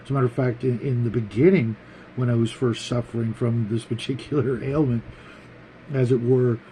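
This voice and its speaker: A man with a dark, mellow voice at a middle pitch hosts a casual tabletop gaming show. He talks to viewers in a rambling, halting way, repeating words as he thinks aloud. A faint noise sits behind his voice. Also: steady tone, low-quality recording.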